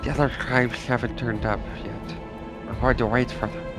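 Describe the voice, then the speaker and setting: A man voicing a patient tribal creature leader who plots an attack in slow, halting, drawn-out phrases. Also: medium pitch, flat delivery, music in the background, lightly acted. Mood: slow, ominous.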